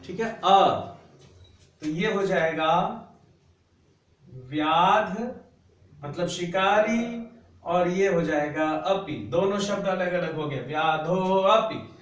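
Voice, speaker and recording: A man's voice: high voice, expressive, slow, long pauses. A man teaching a class, patiently explaining grammar at a board and drawing out syllables so students can copy them. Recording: roomy echo, voice a bit far from the mic.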